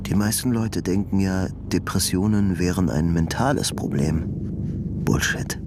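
An actor playing a world-weary, sardonic, depressive investigator, narrating a science-fiction audio drama in the first person with terse muttering. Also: male voice, low voice, measured pace. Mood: bleak, weary. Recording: loud music under the voice.

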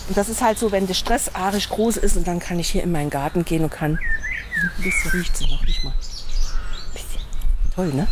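A woman's voice: fairly low pitch, huge pitch swings, moderate pace, long pauses, very noisy. A woman in her fifties with a Saarland dialect, talking casually and bluntly about her own life as an interviewee. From Saarland, Germany. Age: 50s. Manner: chatty, blunt, dialect-coloured speech. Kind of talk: casual personal account.

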